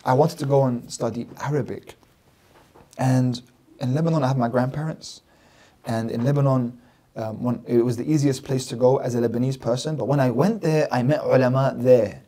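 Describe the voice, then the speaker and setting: A guest religious scholar in his thirties, this London man has a warm, dark voice at medium pitch, keeping a steady tone and moderate pace. On a studio podcast he explains things earnestly and emphatically, repeating phrases in lists. The small set holds plants, and he is miked with a desk mic on a stand.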